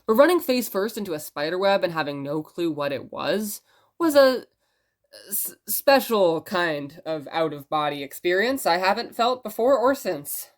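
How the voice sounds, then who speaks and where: Female fictional radio host: lowish voice, gentle storyteller, prone to musing tangents. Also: sing-song, moderate pace. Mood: rambling, musing. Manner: musing, conversational. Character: rambling, gentle blind radio station host. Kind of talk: storytelling radio monologue in audio drama.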